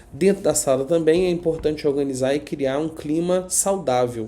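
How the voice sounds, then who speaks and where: Audible room echo surrounds a man whose dark, mellow tone sits at a fairly high pitch, with lively intonation at a moderate pace. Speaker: teacher preparing candidates for a public exam. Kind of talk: lecture.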